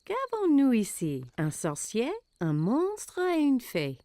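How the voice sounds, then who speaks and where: A woman's voice: on the high side, wildly swooping pitch, slow pace, dark tone, no echo, full character voice. A woman playing a kind young mother in a children's cartoon, speaking in an encouraging, playful way. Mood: playful surprise. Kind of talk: animated children's cartoon dialogue.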